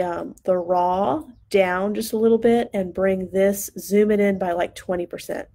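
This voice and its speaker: Thinking aloud on a live stream, a woman in her thirties chats upbeat about student poster designs in a medium-pitched, darkish voice. After long use her voice sounds worn and begins to crack, picked up by a desk mic in her home studio.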